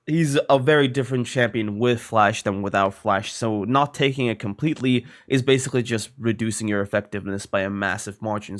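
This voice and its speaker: A young man, a little sick, casually explaining a video game strategy in a guide, tossing in lots of fillers and "right?". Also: fairly low pitch. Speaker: gaming content creator.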